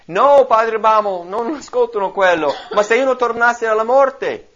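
A man's voice: extremely high pitch, lively intonation, normal speed, fairly bright tone, voice pushed up. A man voicing a tormented rich man who begs from the flames in a raised, urgent voice. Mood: pleading. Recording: dull lo-fi recording.

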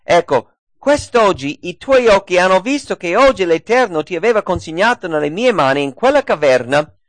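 A preacher acting out an earnest young David. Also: male voice, high-pitched, animated, moderate pace, no echo, voice pushed up. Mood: pleading. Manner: earnest, urgent, raised voice. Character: young male David pleading humbly with his king.

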